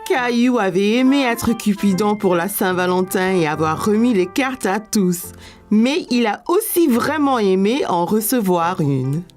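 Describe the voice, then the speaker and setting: Woman doing gentle kids cartoon narrator lady, slow, really lilting, music under it. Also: medium pitch, expressive, close to an everyday voice. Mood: gentle storytelling. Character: gentle female storyteller of a preschool cartoon. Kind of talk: scripted children's story narration.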